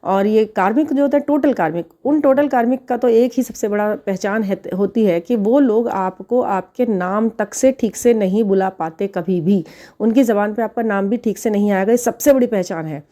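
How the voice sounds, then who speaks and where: A woman's voice: mid-range voice, normal speed, dark tone. A woman who does readings, giving chatty relationship advice straight to her viewers, laughing now and then at her own examples. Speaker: spiritual relationship reader. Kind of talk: casual advice talk to viewers.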